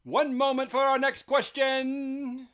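Man playing a very slow, ceremonious call operator. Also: very high voice, monotone, a bit bright, exaggerated voice. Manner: theatrical, drawn-out announcing. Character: formal conference-call operator, stiffly ceremonious, announcing questioners. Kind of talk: theatrical reenactment of an earnings call.

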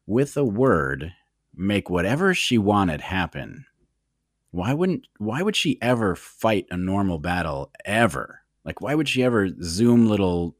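Lively deep-voiced man chatting. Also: measured pace, dry recording, clean studio sound. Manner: animated, joking, goes off on tangents. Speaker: podcast co-host. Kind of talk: casual chat.

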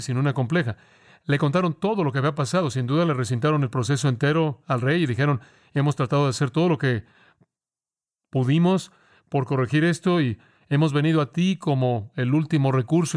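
A male preacher delivering an expository sermon. His voice sits a little high for a man, and he talks slowly and deliberately, stressing key words for emphasis.

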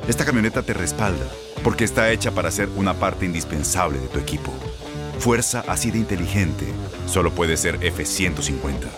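A male announcer reading a scripted commercial, calm and confident. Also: sits low. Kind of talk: scripted ad read.

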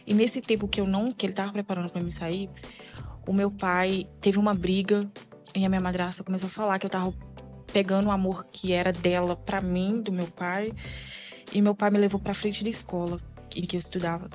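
A woman with a Brazilian Portuguese accent, a podcast guest telling a personal faith testimony in a halting, soft-spoken, emotional way. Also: medium pitch, level tone, soft background music.

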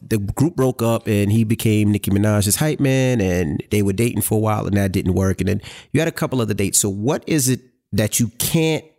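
A man's voice: medium pitch, darkish tone. A man hosting a relationship podcast, asking direct, teasing questions in a casual way with frequent restarts. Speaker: podcast host. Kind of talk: casual conversation.

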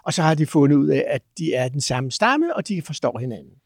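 A man telling adventure stories as a guest, lively but halting, with many filler sounds. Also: a little high, no room sound, clean studio sound. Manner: lively, acts out chants and sounds. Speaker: guest explorer. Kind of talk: animated storytelling.

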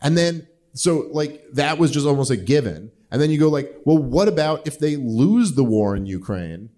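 A man's voice: fairly high pitch, sing-song, moderate pace, dark tone. A man around forty, a podcast host answering audience questions in a rambling, profane way with lots of filler words. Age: 40s. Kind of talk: casual live Q&A talk.

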